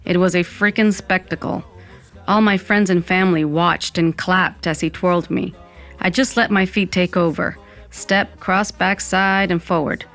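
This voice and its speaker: A wry Latina storyteller looking back on her teens. Her voice is fairly low, in scripted first-person narration with music underneath. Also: fairly even intonation, a little slow, fairly bright tone.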